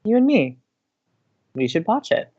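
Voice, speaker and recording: A man's voice: high voice, very animated, a little slow, a little mellow, lo-fi sound, exaggerated voice. A man playing an upbeat, teasing college radio co-host in an audio romantic comedy, with a playful, breezy manner. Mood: eager, flirty.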